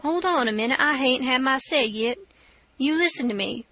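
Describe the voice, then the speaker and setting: A woman voicing a quiet, calculating male robber who argues his plan in a storybook reading. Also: high voice, expressive, normal speed, no room sound, exaggerated voice. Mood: scheming. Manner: quiet, earnest, reasoning. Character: calculating male river robber, cool and persuasive.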